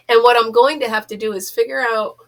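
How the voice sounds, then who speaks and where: A woman's voice: on the high side, fairly bright tone. A middle-aged or older woman chatting casually in a rambling, self-deprecating way on a vlog, stuffed up from a cold so she sounds like her nose is pinched. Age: middle-aged or older, a grandmother. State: stuffed up from being sick. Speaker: host of a crochet vlog.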